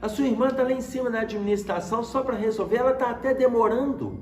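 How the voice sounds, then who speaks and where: A man's voice: fast, darkish tone. A Brazilian man with an accent voicing his elderly father as a stubborn, disbelieving old man who protests in a raised voice. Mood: indignant. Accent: Brazilian Portuguese. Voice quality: high, exclaiming protests. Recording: echoey hall.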